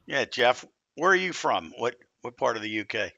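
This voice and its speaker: A man's voice: mid-range voice, sing-song, normal speed, vocal fry, pushed and bright, no echo, highs cut off. A man chatting casually as a player on a gaming stream. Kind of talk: casual chat.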